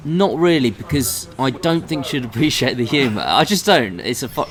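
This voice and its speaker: An animated young man co-hosting a chatty podcast, his voice swinging up and down in pitch as he talks. He is insistent and playfully defensive, and his voice sits at a middling height. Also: normal speed, crowd noise. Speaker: podcast co-host. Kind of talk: casual chat.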